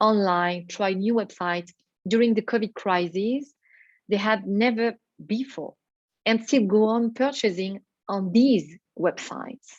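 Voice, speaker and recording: A woman with a French accent, fairly high in pitch and fairly slow, against a quiet background. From France. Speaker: product evangelist. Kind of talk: conference presentation.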